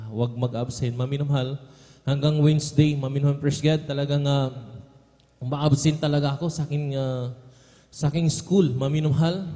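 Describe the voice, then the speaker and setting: A man's voice: mid-range voice, dark tone. A young man with a Filipino accent giving an earnest testimony at a prayer service, saying "beloved" after almost every phrase. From Philippines. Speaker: church member giving testimony. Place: church hall. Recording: long reverb of a church hall.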